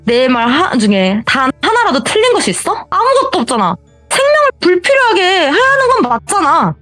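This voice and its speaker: A woman's voice: extremely high pitch, huge pitch swings, a little fast, fairly bright tone, dry recording, faint music behind, pitched above the performer's own voice, exaggerated voice. A woman voicing a fanatical, self-righteous young woman who mocks and preaches in a told horror story. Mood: defiant. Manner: mocking, preachy.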